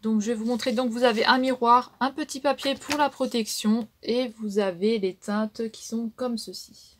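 Reviewing makeup palettes in a relaxed way, a French-accented woman chats on, dropping plenty of fillers and repeated "donc." She's a beauty vlogger whose fairly high voice holds a steady tone at normal speed.

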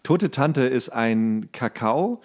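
A man co-hosts a relaxed conversational podcast. His voice sits at a medium pitch. He talks colloquially, with a joking, anecdotal way of putting things. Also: slow pace. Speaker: podcast co-host. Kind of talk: casual chat about food with a friend.

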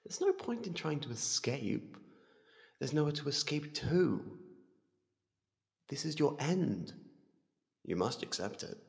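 A man voicing an ancient void entity that calmly toys with its prey in an ASMR roleplay, slow, deliberate and condescending. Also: fairly high pitch, creaky, voice pushed up, heavily acted. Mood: scornful, menacing. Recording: cavernous long reverb.

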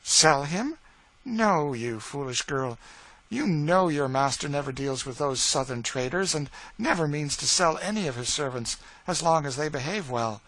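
A man voicing a brisk, kindly lady of the house in an audiobook, gently scolding and reassuring. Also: fairly high pitch, expressive, no echo, pitched above the performer's own voice, rough recording. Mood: chiding reassuring.

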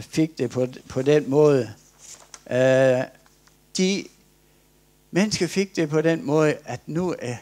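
A man's voice: mid-range voice, dark tone. A male preacher giving a sermon in a church, retelling a story in a hesitant way with frequent restarts.

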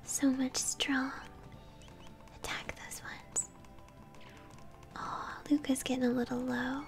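A young woman whispers ASMR game commentary, chatting encouragingly to her viewers. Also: sits high. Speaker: game streamer. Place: indoor room at home. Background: video game music.

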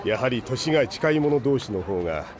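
A man playing a stoic, reflective older man with formal, deliberate phrasing in an audio drama. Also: mid-range voice, lively intonation, crowd noise, natural voice. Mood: stoic, pensive. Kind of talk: anime-style audio drama acting.

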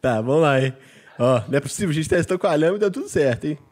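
Male gaming host, excitable and quick, pitch jumping around. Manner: excitable, shouts and laughs often. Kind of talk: excited gameplay chat.

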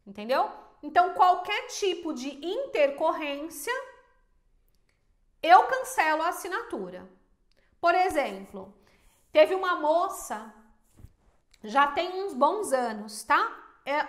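High-voiced Brazilian woman, emphatic. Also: echoey room. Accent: Brazilian Portuguese. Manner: emphatic and animated, lots of rhetorical questions. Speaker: small business owner and teacher. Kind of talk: casual advice to viewers.

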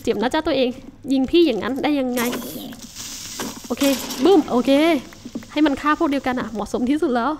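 A woman hosting a survival game let's-play, talking to herself in a chatty, casual way with sudden startled shouts. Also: high-pitched, brisk, a little hiss or hum. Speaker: Minecraft let's-play host.

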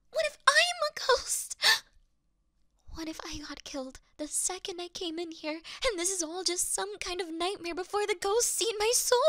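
A woman's voice: extremely high pitch, expressive, unhurried, bright, forceful tone, no echo, clean studio sound, full character voice. A woman playing a clumsy, cute young thief in an ASMR roleplay, stammering and acting tougher than she is while easily frightened. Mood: panicky. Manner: stammering, flustered, falsely tough.

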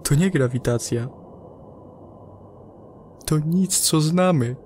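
An actor playing a frightened, overwrought space explorer in an audio drama, speaking in halting fragments. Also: mid-range voice, darkish tone, a little hiss or hum, natural voice. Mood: fearful, stunned. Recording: music under the voice. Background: music.

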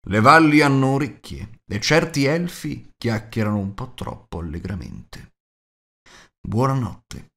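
A man voicing a courteous but firm wizard in a storybook, hushing others with drawn-out words. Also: medium pitch, lively intonation. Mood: admonishing.

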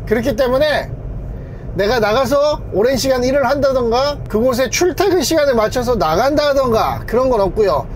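A man's voice: very high-pitched, lively intonation, normal speed, slight background noise, poor audio. A man in his thirties talking casually and with self-assurance to his vlog camera. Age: 30s. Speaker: YouTuber, car collector. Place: mostly inside a car, sometimes outdoors.

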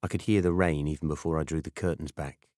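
Deep-voiced British man narrating an audiobook. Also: fairly even intonation, fast talker, a little mellow, no echo, studio quality. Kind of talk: scripted first-person novel narration.

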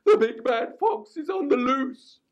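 A man's voice: lively intonation, measured pace, dull audio, full character voice. A man voicing a honking male goose in a picture-book reading, calling urgent warnings in a raised voice. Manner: high honking, urgent calls. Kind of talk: picture-book read-aloud.

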